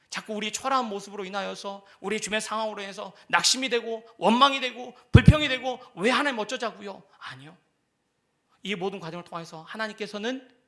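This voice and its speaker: A male pastor preaching, his voice sitting high and ringing bright. He moves between loud acted-out lines and hushed, breathy near-whispers as he closes each point. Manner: acts out quoted voices of God and believers, swinging loud and soft. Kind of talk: sermon.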